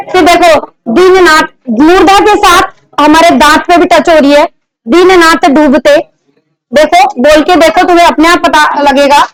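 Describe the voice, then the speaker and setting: Woman, teacher, classroom lecture, very high-pitched, repeats examples patiently. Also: rough recording. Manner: explains step by step, repeats examples, asks the class questions. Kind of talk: classroom lecture on Hindi grammar.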